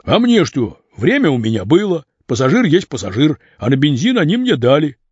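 A man's voice: fairly high pitch, huge pitch swings, brisk, a little mellow, breathy edge, no room sound, pitched above the performer's own voice, full character voice. A man voicing a lazy, mercenary driver who grumbles and drawls, in a storybook reading. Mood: grumbling. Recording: dull lo-fi dry recording.

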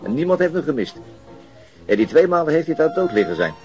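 An actor playing a dogged, frustrated police detective in a radio drama, insistent and questioning with some hesitation mid-sentence. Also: male voice, a little high, big pitch swings, brisk, muffled recording, soft background music. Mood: brooding. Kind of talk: Dutch radio drama acting, conversational.

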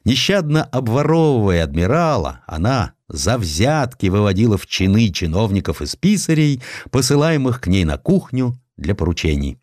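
A man narrating a historical audiobook dramatically and theatrically, with deliberate pauses. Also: fairly low pitch, big pitch swings, darkish tone, dry recording, clean studio sound.

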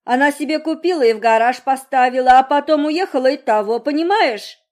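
A woman's voice: high voice, fairly quick, darkish tone, pitched above the performer's own voice, lightly acted. A woman voicing a poor, guilty father who rambles and makes excuses. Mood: pleading. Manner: rambling, pleading, excuse-making.

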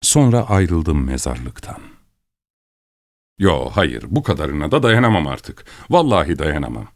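Man narrating an audiobook, lively tone. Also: low voice, no room sound, studio quality.

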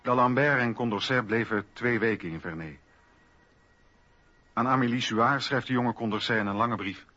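A man narrating a radio play from a script in a measured, documentary manner. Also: mid-range voice, pushed and bright. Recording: dull lo-fi old radio recording.

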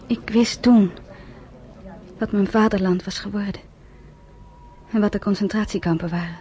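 Karen is a young Jewish survivor telling her story in a radio play, quiet and resolute, as voiced by a woman, at an even middle pitch. Her voice is low-key and soft, slipping near a whisper, with a faint hiss under the recording. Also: natural voice. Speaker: narrator of her own story.

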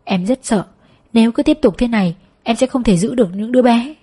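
A woman voicing a frightened pregnant young woman who murmurs softly and wistfully. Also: fairly high pitch, a little fast, slightly rough, voice pushed up.

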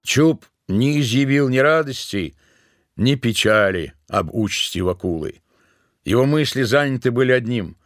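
A man's voice: medium pitch, expressive, unhurried, no room sound, clean studio sound, natural voice. A man reading scripted literary narration as the narrator of an audio play. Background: music.

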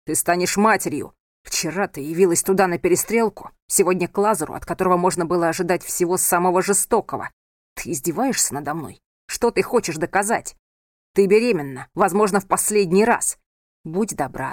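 A woman reading aloud and voicing an angry, controlling young husband who scolds his wife in a low, hard tone. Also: moderate pace, no echo, clean studio sound, close to an everyday voice. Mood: scolding. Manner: harsh, scolding, hard-edged.

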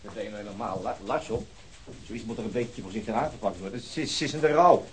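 A man's voice: lowish voice, fast talker, close to an everyday voice. An actor playing an easygoing, dryly amused male detective in a naturalistic radio drama, with an informal, hesitant way of asking questions. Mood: dry, doubtful.

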